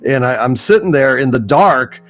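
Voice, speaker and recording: A man chatting casually as a guest, in a halting, rambling way. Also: medium pitch, lively intonation, a bit bright. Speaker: guest, voice actor. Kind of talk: casual chat.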